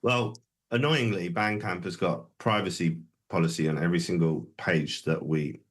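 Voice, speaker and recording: Co-hosting a music review livestream, a man chats casually in a low voice at normal speed with fairly even intonation. He rambles in an easygoing way and hesitates a lot.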